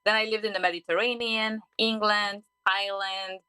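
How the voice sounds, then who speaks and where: Hungarian lady in her 40s, bright crisp voice, dry studio sound, lively storyteller. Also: mid-range voice, normal speed, no room sound, low-quality recording. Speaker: guest, underwater safety diver. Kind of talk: interview conversation. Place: radio studio.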